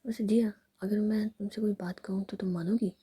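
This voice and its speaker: A woman's voice: mid-range voice, fairly even intonation, brisk, mellow, slightly rough. A woman voicing a sulky, teasing young woman, smug and playful in a whispered role-play.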